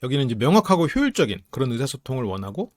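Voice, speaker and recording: A man giving a casual psychology lecture to his channel's viewers, animated and acting out example lines in different voices. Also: mid-range voice, very fast, no room sound, clean studio sound. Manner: animated, acts out quoted lines with voice shifts; mixes polite and casual speech, laughs at own asides.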